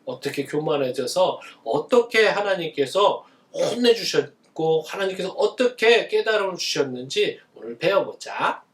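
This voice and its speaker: Pastor guy doing a kids sermon, high bouncy voice, echoey church, a bit far from the mic. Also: normal speed, hardly any pauses. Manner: animated, asks children questions and answers them. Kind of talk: children's sermon.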